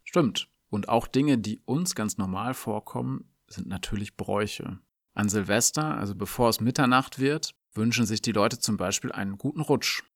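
A man presenting a language lesson, explaining in a calm, clear scripted dialogue. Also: lowish voice, normal speed, no room sound, clean studio sound.

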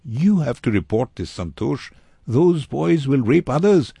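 A man's voice: fairly high pitch, big pitch swings, measured pace, darkish tone, breathy edge, no room sound, voice pushed up, exaggerated voice. A man voicing a concerned, stubborn woman in a storybook, speaking with earnest insistence. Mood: urgent, soothing. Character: concerned, stubborn, determined woman helping a child.

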